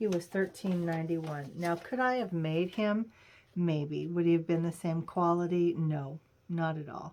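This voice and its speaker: A woman with a plain, everyday voice speaks fairly slowly at a fairly low pitch. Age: 60s. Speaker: crafting YouTuber. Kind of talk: casual haul video talk.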